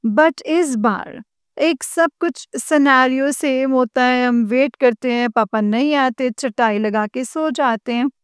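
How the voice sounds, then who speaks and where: A woman telling her dream to a spiritual congregation, mixing English words into Hindi, with slow pauses and hesitations. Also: high voice, clean tone, no room sound, studio quality. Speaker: devotee sharing a dream experience. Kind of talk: personal testimony to a spiritual congregation.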